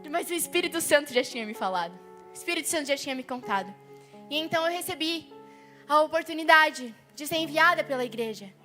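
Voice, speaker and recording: A woman's voice: high voice, a bit bright. A young Brazilian woman giving a chatty testimony sermon from a church stage, talking straight to her listeners. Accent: Brazilian Portuguese. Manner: chatty, talks straight to the audience. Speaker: youth preacher.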